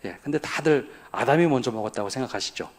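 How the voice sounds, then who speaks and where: Preaching at a midweek prayer service, this male pastor talks fast with a mid-range voice and lively intonation. His sermon often poses questions to the congregation that he goes on to answer himself.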